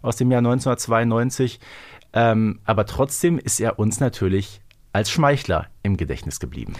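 A man with a medium-pitched voice co-hosts a podcast. He talks in a casual, knowledgeable fan style. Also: animated, normal speed. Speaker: podcast co-host.

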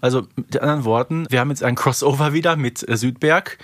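A man's voice: medium pitch, fast talker, no room sound, clean studio sound. A man co-hosting a podcast, chatting casually and explaining things as he reviews. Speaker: podcast co-host.

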